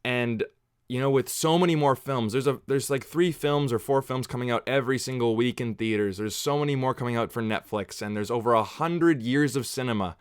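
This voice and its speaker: A man's voice: medium pitch, fairly quick, clean tone, no echo, studio quality. A man from Canada hosting a casual movie watch-along livestream, chatting and rambling off on tangents while answering viewers.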